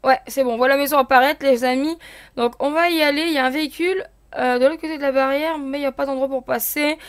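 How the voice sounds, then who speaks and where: Playing an online game, a young gaming host keeps up a chatty commentary, walking viewers through the rules and using plenty of fillers. Her high voice moves at a quick pace with fairly even intonation, and the recording is dry.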